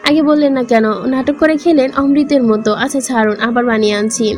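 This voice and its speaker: A woman reading as a feisty young heroine in a storybook romance, quick to scold and easily flustered. The voice sits high and bright, with faint music underneath. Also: fairly even intonation, natural voice. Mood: indignant. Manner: scolding and indignant. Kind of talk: audiobook reading of a romance novel.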